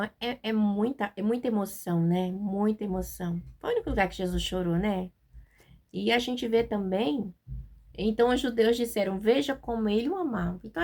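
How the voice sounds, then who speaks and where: A woman with a Brazilian Portuguese accent giving an informal devotional Bible talk, chatty, with many fillers and tag questions, and reading verses slowly. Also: mid-range voice, creaky, a little mellow. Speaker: Bible teacher.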